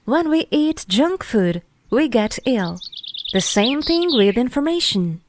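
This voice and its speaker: A woman reading a scripted spiritual voice-over in a measured, deliberate way, phrase by phrase with pauses. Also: a little high, very animated, noisy background. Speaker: narrator reading an article. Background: music.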